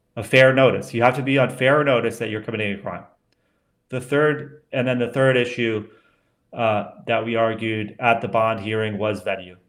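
With fairly even intonation, an unremarkable speaking voice keeps to a moderate pace. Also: man, medium pitch for a man. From Colorado and Vermont, US. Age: 30s. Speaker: political commentator on trial. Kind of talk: interview.

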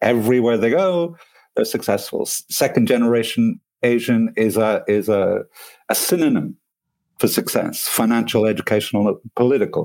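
A moderately paced voice in a Belfast accent, with very even loudness. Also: man. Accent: Belfast Northern Irish. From Northern Ireland, Belfast. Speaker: novelist and magazine contributor. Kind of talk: interview conversation.

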